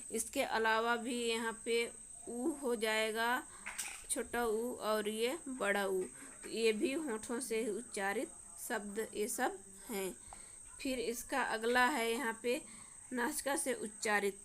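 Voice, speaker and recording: A woman teacher with a Madhya Pradesh Hindi accent talks through a worksheet at a very unhurried pace, in a fairly high voice. She sounds out each letter deliberately, one after another. Crickets chirp faintly in the background. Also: a little hiss or hum. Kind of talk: worksheet lesson walkthrough.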